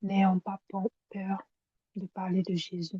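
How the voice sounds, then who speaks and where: Her voice is somewhat breathy, dark and mellow, at a medium pitch for a woman. She speaks very slowly, and the sound is dry and close with no echo. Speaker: preacher leading a spiritual camp. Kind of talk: sermon.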